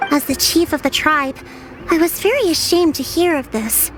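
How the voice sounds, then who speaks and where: A woman playing a composed, courteous female tribal chief in a video game, speaking in a formal, measured way. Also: high-pitched, lightly acted. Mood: grave, explaining. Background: music.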